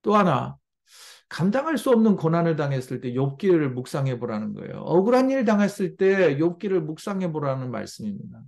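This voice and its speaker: A man preaching a sermon as pastor, emphatic and animated, often addressing the congregation directly and acting out heartfelt pleas. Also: on the high side, creaky.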